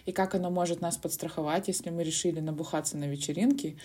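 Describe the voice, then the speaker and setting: A young woman near thirty co-hosting a podcast, agreeing warmly and telling reflective stories from her own life. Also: on the low side, steady tone, quick pace, husky. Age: 20s. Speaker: podcast co-host. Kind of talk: casual podcast chat.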